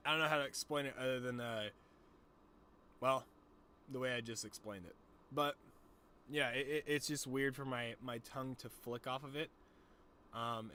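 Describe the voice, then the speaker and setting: A man's voice: mid-range voice, sharp tone, a little hiss or hum. Rambling young man with a lisp. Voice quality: lisp and stutter. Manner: rambling, swearing, loose and jokey. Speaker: streamer. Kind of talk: casual stoner vlog chat.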